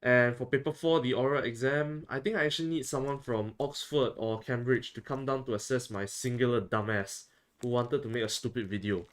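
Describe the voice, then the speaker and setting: A man's voice: mid-range voice, steady tone, fairly quick. A young man from Singapore with a Singaporean English accent, chatting casually and self-mockingly on a livestream. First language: Chinese. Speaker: VTuber streamer.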